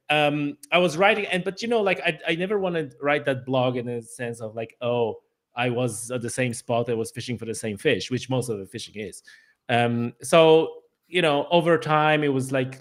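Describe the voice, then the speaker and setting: A man with a Polish accent, speaking English as his second language. His voice sits in a middle pitch, and he talks casually with many fillers and self-corrections. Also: normal speed. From Poland. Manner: chatty, with frequent fillers and restarts. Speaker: podcast guest. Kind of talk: casual interview conversation.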